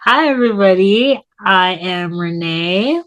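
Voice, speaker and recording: A woman's voice: medium pitch, expressive, a little slow, a bit bright. A thirty-year-old woman from Canada with a Canadian accent, chatting casually as a guest in an informal, meandering way. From Toronto, Canada. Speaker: interview guest. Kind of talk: casual chat.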